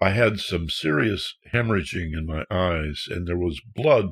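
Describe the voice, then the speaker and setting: Speaking at a fairly slow pace, a man talks. His voice is somewhat breathy. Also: dry, close sound with no echo. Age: 70s. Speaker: spiritual teacher and podcast host. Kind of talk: lecture. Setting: online class on Zoom. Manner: conversational.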